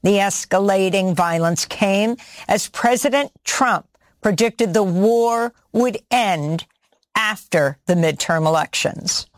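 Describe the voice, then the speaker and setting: A woman anchoring a news broadcast, reading scripted headlines in a steady, even-toned way. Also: medium pitch, slow pace. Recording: dry studio voice.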